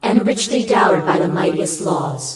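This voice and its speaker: A woman performs a put-on character voice at a moderate pace. There is a slight echo. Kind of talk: choral tragic verse. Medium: audio drama. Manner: formal, elevated.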